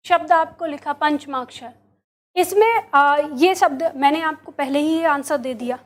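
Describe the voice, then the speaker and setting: High-voiced Indian woman teaching. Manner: patient, explains step by step and checks understanding. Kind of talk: classroom lesson.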